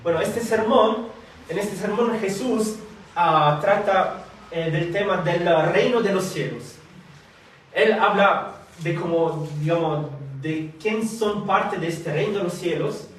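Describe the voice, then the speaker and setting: A man born in Italy leads a prayer and a sermon, halting often with fillers and restarts. His voice sits somewhat high. He is heard from a distance in a very echoey hall. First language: Italian or Filipino language. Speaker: preacher. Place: church hall.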